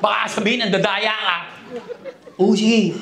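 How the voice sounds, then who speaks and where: Animated Filipino stand-up comic, echoey hall. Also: male voice, high-pitched, measured pace, gravelly. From Philippines. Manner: animated, laughing, acts out quotes. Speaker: stand-up comedian. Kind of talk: stand-up comedy set. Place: live comedy venue. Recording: echoey hall with loud crowd.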